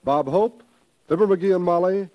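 A man's voice: high-pitched, moderate pace, darkish tone. A man with an American accent announcing for 1950s network radio in a polished, emphatic, promotional style. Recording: vintage 1950s radio broadcast.

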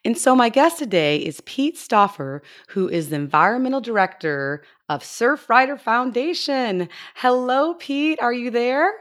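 A woman's voice: on the high side, lively intonation, unhurried, few pauses. A woman hosting a podcast interview, chatting eagerly and gushing about the guest's work. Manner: enthusiastic, gushing, with restarts. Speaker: podcast host.

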